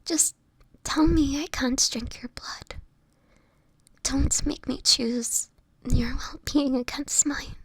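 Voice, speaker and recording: A woman playing a gentle, sickly, anguished vampire in a whispery audio roleplay, speaking hesitantly and tenderly to the listener. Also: sits high, steady tone, slow pace, long pauses, dry recording, low-quality recording. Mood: frightened, pleading. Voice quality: breathy, often whispering.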